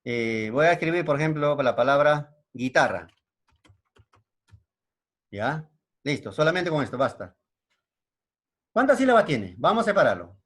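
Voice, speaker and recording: A man's voice: a little high, big pitch swings, normal speed, long pauses, a bit bright. A man with a Peruvian Spanish accent teaching an online language lesson, explaining patiently and checking in with frequent tag questions. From Peru.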